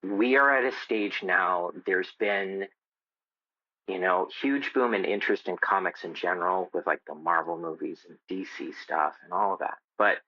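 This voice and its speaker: A man talking as a podcast guest in a casual, explanatory way, halting as he thinks aloud. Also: sits low, sharp tone, no echo, highs cut off. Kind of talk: casual interview chat.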